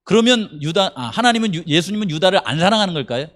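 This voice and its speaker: A man's voice: high-pitched, animated, quick pace, fairly bright tone. A male pastor teaching a Bible doctrine class, talking conversationally and asking questions he answers himself. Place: small rural church.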